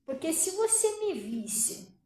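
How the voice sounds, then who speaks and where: A woman pastor with a Brazilian Portuguese accent giving her testimony as a sermon, conversational and animated, often asking the congregation questions. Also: very high voice, takes it slowly, a little hiss or hum. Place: church hall. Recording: echoey room, voice far from mic.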